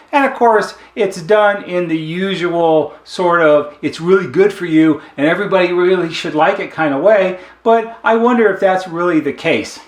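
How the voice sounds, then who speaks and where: Higher-voiced man explaining in an echoey room. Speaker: intercom service technician and presenter. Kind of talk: casual explainer talk with a diagram. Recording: echoey, roomy sound.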